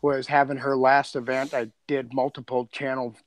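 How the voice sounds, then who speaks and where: A man's voice: medium pitch, level tone, normal speed, no room sound. A man talking casually on a podcast, informal and rambling, often questioning himself as he goes. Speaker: podcast co-creator and audio editor.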